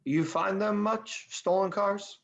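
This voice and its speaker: Man acting slow, befuddled slacker, slightly dull sound. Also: sits high. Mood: aggrieved, hesitant. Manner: halting, stammering, vague. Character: befuddled, laid-back, unemployed male slacker. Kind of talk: table read of a film script.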